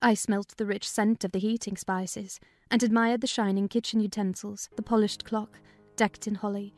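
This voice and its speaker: A woman's voice: mid-range voice, level tone, normal speed, a little mellow, soft background music. A woman narrating a classic novel as a scripted, dramatized audiobook reading.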